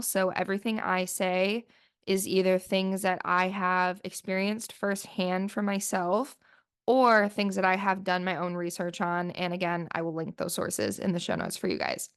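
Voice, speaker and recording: A woman's voice: mid-range voice, moderate pace, fairly bright tone, clear, resonant tone. A woman hosting a solo podcast in casual, rambling chat full of fillers, sniffly and with her voice still recovering from flu. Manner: chatty, rambling, lots of "like" fillers. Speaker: podcast host.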